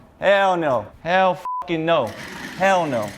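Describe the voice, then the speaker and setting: An animated tone in a New York accent carries over noticeable background noise. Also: man. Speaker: pro BMX rider and streamer. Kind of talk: livestream monologue.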